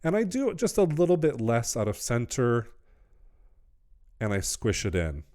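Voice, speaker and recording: A man's voice: medium pitch, wildly swooping pitch, measured pace, a little mellow. A middle-aged man hosting a wreath-making tutorial, explaining each step in an upbeat, instructional way. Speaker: wreath-making channel host. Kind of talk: craft tutorial voice-over.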